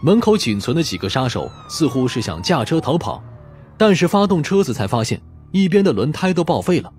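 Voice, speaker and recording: A man's voice: a little high, big pitch swings, fairly quick, darkish tone, faint music behind. A man reading a crime novel as a scripted, dramatic audiobook narration.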